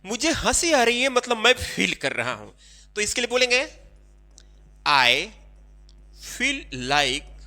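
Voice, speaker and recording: A man giving an English grammar lesson in Hindi, explaining point by point and often stopping to ask if it is clear. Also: high-pitched, pushed and bright. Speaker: English teacher.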